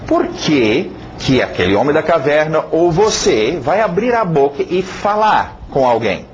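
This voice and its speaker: A man's voice: on the high side, very animated, a little slow. A man who is not a native Portuguese speaker, teaching casually with a foreign accent in a conversational, encouraging way and often checking in with short tags. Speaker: English teacher. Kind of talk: casual video lesson. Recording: dull, lo-fi, faint noise.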